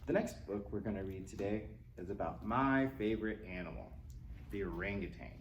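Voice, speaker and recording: A library storytime reader with a fairly low voice reads picture books to young children at a moderate pace, adding playful, chatty asides and acting out animal sounds and exclamations. The recording is muffled, with a roomy echo and faint background noise.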